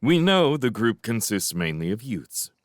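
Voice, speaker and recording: A man's voice: on the low side, sing-song, unhurried, dry recording, studio quality, pitched above the performer's own voice. A man reading aloud, voicing a proud young male apprentice who talks stiffly and guardedly and flares into outrage.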